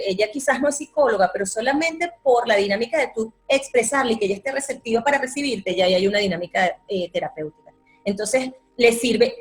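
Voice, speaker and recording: A woman, a yoga teacher calmly explaining her practice in an interview. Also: fairly high pitch. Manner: calm, explanatory, repeats words for emphasis. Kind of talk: interview answer.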